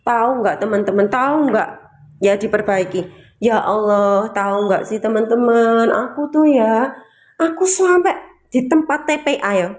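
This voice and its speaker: A woman's voice: a little high, measured pace. Emotional woman storyteller. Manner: emotional, keeps asking listeners "you know?". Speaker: motivational storyteller. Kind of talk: casual personal storytelling.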